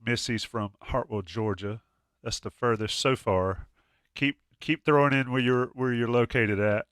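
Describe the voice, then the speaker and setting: A man's voice: mid-range voice, steady tone, a little slow, fairly bright tone, clear, resonant tone, dry recording, studio quality. A man hosting a casual sports chat, stuffy from a cold, joking and restarting often. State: congested with a cold. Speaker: podcast host.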